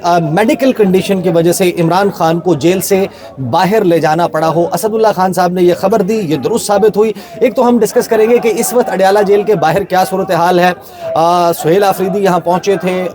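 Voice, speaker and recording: A man with a Pakistani accent hosting a political news discussion on location, talking in long, deliberate sentences. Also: high-pitched, a little mellow. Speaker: host, field reporter.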